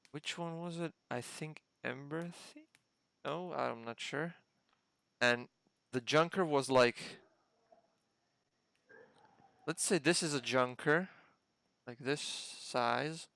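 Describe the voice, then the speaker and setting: A young man speaking English as a second language, chatting casually on a developer livestream through a headset, halting and searching for words. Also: medium pitch, vocal fry, fairly bright tone, clean tone, no echo. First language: a Slavic language close to Czech. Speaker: game developer.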